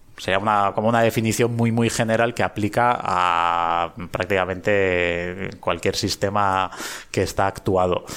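In a very clean recording with a silent background, a man talks at a fairly slow pace, his loudness very even and his intonation fairly even. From Spain, Basque Country (Donostia). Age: 30s. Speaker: robotics engineer. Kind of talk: interview. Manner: halting, frequent repetitions.

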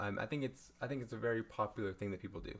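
This is an ordinary speaking voice. A man with an American accent speaks at a fairly low pitch, with ordinary pitch variation. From Texas (Denton). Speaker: college student and track athlete. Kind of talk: casual chat.

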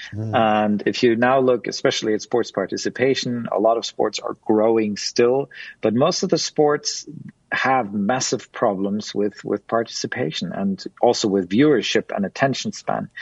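He is a man with a German accent and a medium-pitched voice. His pace is moderate, with ordinary pitch variation. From Germany. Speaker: sports tech entrepreneur. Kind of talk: interview. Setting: remote video call.

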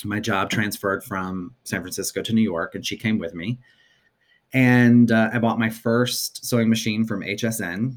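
Over a very clean recording with a silent background, a man speaks at medium pitch. It is a plain, everyday voice, fairly slow and fairly even in intonation. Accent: American. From Southern Virginia. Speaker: quilter and fabric designer. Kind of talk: casual chat.

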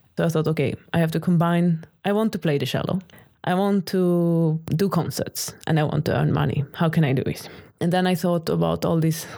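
Here is a voice with a Swedish accent. Its pace is moderate. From Sweden. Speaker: podcast host, cellist and singer. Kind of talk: interview as guest, casual chat.

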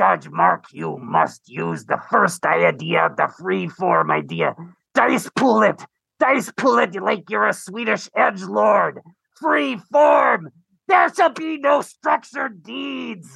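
A raspy, put-on character voice with a menacing tone. It speaks at a very slow pace. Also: man. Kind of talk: comic horror persona bit. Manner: self-pitying, melodramatic, ranting; mock-menacing threats.

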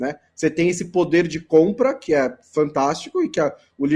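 The man speaks at a high pitch with lively intonation. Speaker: podcast host. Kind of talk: casual chat.

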